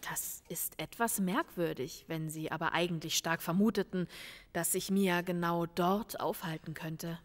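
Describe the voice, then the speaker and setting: Woman acting a calm, probing police lieutenant, reverberant. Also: lowish voice, close to an everyday voice. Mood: probing, insistent. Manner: measured, insistent questioning. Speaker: actress in a crime radio play. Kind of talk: audio drama dialogue.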